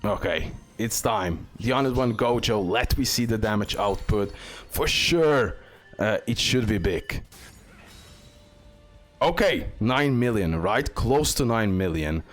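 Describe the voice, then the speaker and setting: Music plays clearly behind a man with a fairly deep voice. He talks through his gameplay at a slow pace, unscripted and casual. He tends to say short phrases several times over, as a gaming video host. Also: animated.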